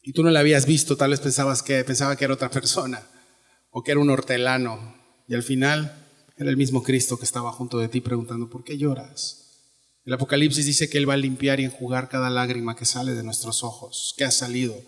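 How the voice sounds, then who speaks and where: A man's voice: medium pitch, level tone, quick pace. A man with a Mexican Spanish accent preaching a sermon in a church, earnest and conversational, often asking the listeners questions. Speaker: pastor. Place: church sanctuary. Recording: long hall reverb.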